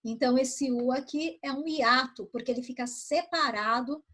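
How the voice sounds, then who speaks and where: A woman's voice: high voice, normal speed, fairly bright tone. A woman primary school teacher reviewing a lesson with pupils over a video call, explaining patiently and asking them questions. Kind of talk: online class review with pupils.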